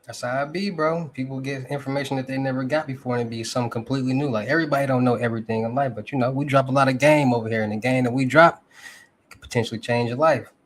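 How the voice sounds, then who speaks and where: A man's voice: mid-range voice, steady tone, rapid-fire, a little hiss or hum. A man co-hosting a podcast, easygoing and slangy. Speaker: podcast co-host. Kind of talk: casual podcast chat.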